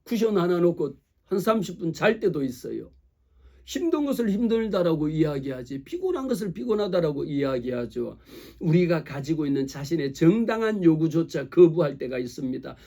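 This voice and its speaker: High-voiced, mellow male pastor preaching. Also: normal speed, creaky. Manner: animated preaching, acts out quoted voices; speaks directly to the congregation with rhetorical questions. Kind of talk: sermon.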